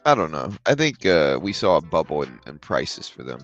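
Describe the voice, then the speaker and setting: A tired adult man with a very deep voice, who has a daughter, hosts a live trading stream, giving casual market commentary and reading out chat questions. His explanations are relaxed, rambling, and full of fillers, at a normal speed. The recording is muffled, with soft music in the background.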